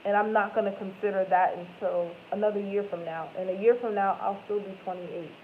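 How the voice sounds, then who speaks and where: A woman's voice: medium pitch, fairly even intonation, fairly quick. A woman in her twenties chatting casually with viewers as host of a live stream, rambling and correcting herself as she goes. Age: 20s. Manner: rambling, self-correcting, lots of "like" and "um". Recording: tinny phone-like audio with faint noise.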